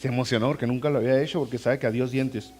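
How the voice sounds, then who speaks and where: A man preaching a sermon as pastor in a church. He talks to the congregation directly and acts out scenes with animated voices. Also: mid-range voice, very fast. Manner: conversational, addresses the congregation directly. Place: church sanctuary.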